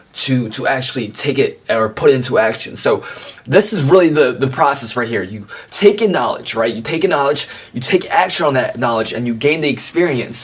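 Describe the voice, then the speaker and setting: Over noticeable background noise, the speaker moves at a moderate pace with lively intonation. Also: man. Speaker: motivational YouTuber. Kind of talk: casual motivational vlog.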